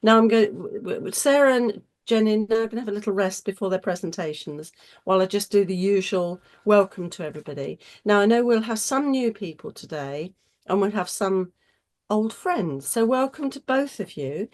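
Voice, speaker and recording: A woman hosts an informal online session with a husky, slightly cold-worn voice. She is chatty and effusive as she welcomes and introduces people, at an ordinary middling pitch. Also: expressive, normal speed, darkish tone. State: getting over a cold. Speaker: host chairing an online webinar.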